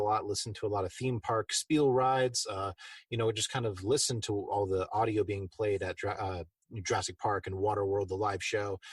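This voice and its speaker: Against a quiet background, a man with an American accent talks at a fairly quick pace in a fairly low, somewhat breathy voice. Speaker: movie trailer voice actor. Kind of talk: interview answer. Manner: casual.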